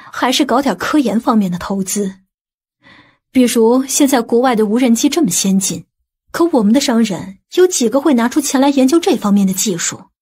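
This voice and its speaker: A woman's voice: on the high side, a little mellow, slightly rough. A woman playing a stern, principled middle-aged aunt in an audiobook, blunt and skeptical. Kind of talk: audiobook character acting.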